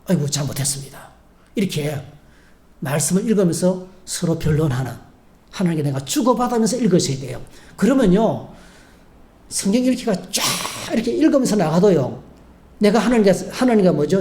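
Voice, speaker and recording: A man's voice: high-pitched, big pitch swings, fairly quick, mellow. A male pastor preaching a sermon, acting out short prayers and leading the congregation in call-and-response. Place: church sanctuary. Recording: echoey church hall.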